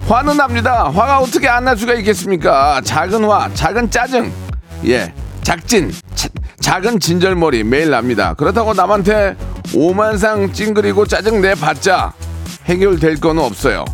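A man's voice: high-pitched, big pitch swings, normal speed, a bit bright, faint music behind. A man hosting a live radio show, reading listener stories with playful mock-angry outbursts. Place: radio studio.

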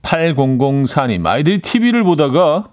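A male radio host talks in a relaxed, chatty way as he reads out listener messages. He laughs often and slips into playful imitations. The sound is clean and close, from a studio microphone. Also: a little high, moderate pace. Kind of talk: casual radio chat reading listener messages.

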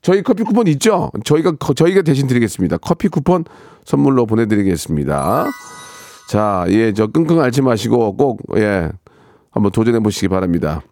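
A man's voice: mid-range voice, sing-song, brisk, dark tone, no room sound. Blunt joking Korean radio host man. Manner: blunt, joking, with many "예" fillers. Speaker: radio show host answering listener questions. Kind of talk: casual advice chat.

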